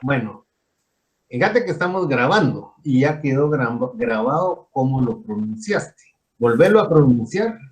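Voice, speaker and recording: A man's voice: mid-range voice, animated, a little slow. A man from Guatemala teaching an online engineering class, explaining step by step and quizzing his students. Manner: explanatory, asks students questions.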